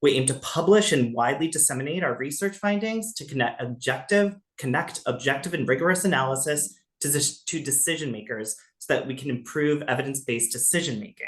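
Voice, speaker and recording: A man's somewhat breathy voice with lively intonation, at a fairly quick pace. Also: fairly high pitch for a man. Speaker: research institute co-director and webinar moderator. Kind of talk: webinar introduction. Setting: online webinar. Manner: fast.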